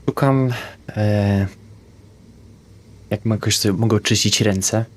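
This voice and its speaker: Lower-voiced man, halting player. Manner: halting, describes his actions in first person. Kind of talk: first-person roleplay in a tabletop game.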